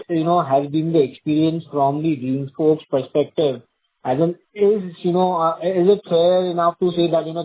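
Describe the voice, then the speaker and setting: A man's voice: on the high side, husky. A man speaking as a financial analyst, asking wordy questions over the phone on an earnings call. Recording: thin, narrow phone line.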